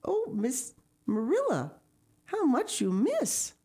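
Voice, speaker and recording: A woman's voice: fairly high pitch, expressive, a little slow, mellow, voice pushed up. A woman voicing a thin, imaginative orphan girl in a storybook, earnest, effusive and pleading. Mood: wide-eyed wonder.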